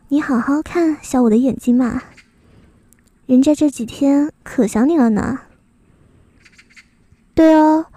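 A woman's voice: sits high, warm tone, no room sound. Woman playing a coy, mocking young woman. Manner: coy, teasing, drawn-out sentence endings. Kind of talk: adult fan audio drama.

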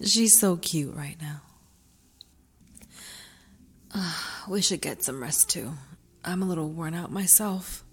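A woman playing a tender, teasing caretaker who speaks softly and often whispers. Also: on the low side, measured pace, slight background noise, lightly acted. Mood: soothing. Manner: soft, soothing, often whispering. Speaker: married woman caring for her lover. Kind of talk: adult audio roleplay.

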